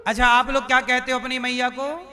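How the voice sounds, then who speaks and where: A male preacher giving a devotional sermon with call-and-response to his audience. He tells the story in a lively way and sometimes breaks into chant and song. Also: extremely high pitch, brisk. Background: devotional instrumental music.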